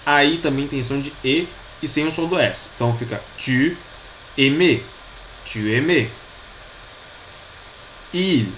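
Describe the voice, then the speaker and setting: A man's voice: on the high side, normal speed, hardly any pauses, sharp tone. A man with a Brazilian Portuguese accent teaching French grammar in a video lesson. He patiently repeats each pronunciation and keeps checking that his students follow. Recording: roomy echo with faint background hum.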